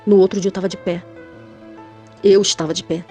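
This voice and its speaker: A woman's voice: mid-range voice, flat delivery, brisk, a little mellow, soft background music. A middle-aged woman with a Brazilian Portuguese accent gives a fervent personal faith testimony to her brothers and sisters in the church. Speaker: church member giving a testimony.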